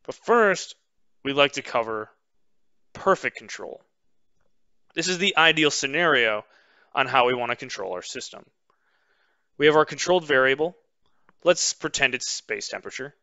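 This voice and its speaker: A man teaching a webinar lesson over slides, explaining in a measured way with frequent "um" fillers. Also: medium pitch, lively intonation, bright, forceful tone, clear, resonant tone, no echo, highs cut off. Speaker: instructor.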